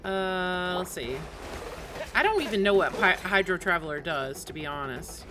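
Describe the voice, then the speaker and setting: A woman doing casual live gameplay commentary, playful, excitable and quick to react. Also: lowish voice, noisy background. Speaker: game streamer. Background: game music.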